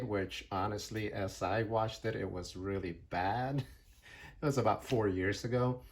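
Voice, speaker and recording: A man presenting a casual hands-on tutorial on equipment, explaining things plainly, step by step. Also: on the low side. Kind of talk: casual hands-on gear demonstration.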